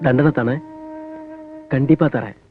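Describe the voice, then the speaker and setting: A man's voice: mid-range voice, a little slow, close to an everyday voice. An actor playing a playful young man who earnestly reassures his beloved. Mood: earnest reassuring. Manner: earnest, soothing, lively delivery. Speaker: film hero. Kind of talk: Tamil film drama dialogue. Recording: tinny lo-fi film soundtrack with music.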